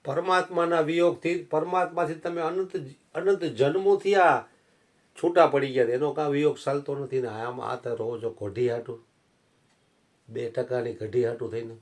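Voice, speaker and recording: A man's voice: medium pitch, steady tone, moderate pace. Brief: male preacher, mid-range voice, telling homely anecdotes in a sermon. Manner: folksy anecdotal storytelling. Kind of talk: satsang sermon storytelling.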